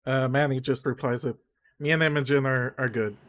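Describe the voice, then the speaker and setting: A man with a medium-pitched voice takes part in a tabletop roleplaying game. He casually narrates what his character says and does. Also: steady tone, a little fast.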